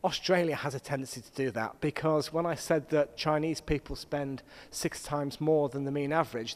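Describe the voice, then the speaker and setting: A middle-aged man moderating a conference panel, explaining things in a measured, storytelling way to introduce the discussion. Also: mid-range voice. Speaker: panel moderator, senior university academic. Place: conference hall. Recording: echoey hall with long reverb.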